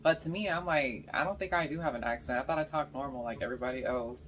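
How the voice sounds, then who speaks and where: Chatty, slightly raspy young woman vlogger. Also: rumbling low, quick pace, fairly bright tone, far from the mic, slight background noise. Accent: slight Californian. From Georgia, US South. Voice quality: a little raspy. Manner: chatty storytelling between bites, lots of "like" and "y'all". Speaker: mukbang vlogger. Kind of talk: casual chat while eating. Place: bedroom, indoors.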